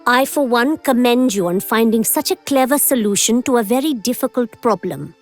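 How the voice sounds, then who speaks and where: A woman's voice: fairly high pitch, expressive, moderate pace, faint music behind. A woman acting a worldly, wry onlooker in a video game, formal and dry in manner. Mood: wryly amused.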